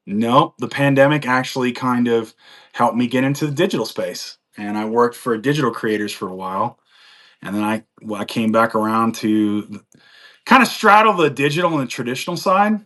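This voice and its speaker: A mid-range, slightly bright voice belongs to a man in his forties from the US who is guesting on a live chat. He wanders casually through his life story, often breaking into laughter.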